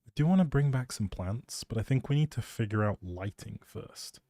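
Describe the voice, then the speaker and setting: A man's voice: lowish voice, lively intonation, moderate pace, background noise. A man chatting casually as a live streamer, playful and teasing as he thinks aloud while commenting on a game.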